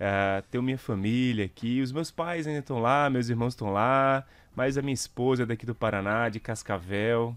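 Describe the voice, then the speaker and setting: A man talks with a northeastern Brazilian accent at a moderate pace. His pitch is medium, with ordinary variation. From Natal, Rio Grande do Norte, Brazil. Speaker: neurosurgeon. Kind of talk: radio interview. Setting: studio.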